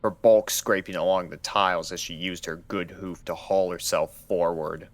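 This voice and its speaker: A man narrating a scripted horror story in a measured, dramatic storytelling manner. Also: low-pitched, fairly even intonation. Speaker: narrator of fan fiction readings.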